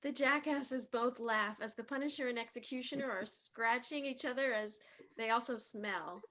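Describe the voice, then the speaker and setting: A woman's voice: a little high, moderate pace, pushed and bright. A woman reading scripted stage directions for a staged reading of wrestling promos. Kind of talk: scripted narration of wrestling scenes.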